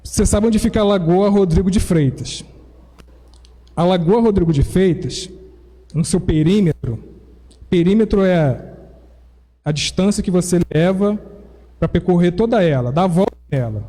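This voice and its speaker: High-voiced Brazilian man preaching in a church. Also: normal speed, pauses often, mellow. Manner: explanatory, teacherly, with self-corrections. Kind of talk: sermon. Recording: long reverb of a church hall.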